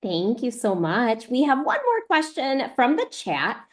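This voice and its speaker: A woman's voice: fairly high pitch, huge pitch swings, a little slow. A woman hosting a live virtual author visit, chattily addressing schoolchildren and teachers. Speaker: host of an online book event.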